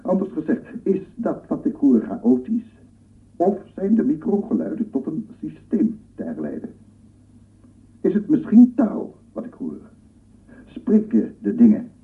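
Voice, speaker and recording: An obsessive, fervent scientist in a radio play, addressing his audience formally. His pitch swings dramatically as he repeats key phrases in wonder. The sound is thin and phone-like, a little away from the microphone. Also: wildly swooping pitch, a little slow, far from the mic. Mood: pondering, formal. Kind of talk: radio drama lecture monologue. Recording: muffled phone-like radio play recording, off-mic.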